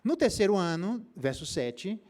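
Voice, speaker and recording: A middle-aged Brazilian pastor preaching a Bible exposition, telling stories with colloquial slang and rhetorical questions. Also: male voice, sits high, very animated, unhurried, a little mellow. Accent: Brazilian Portuguese.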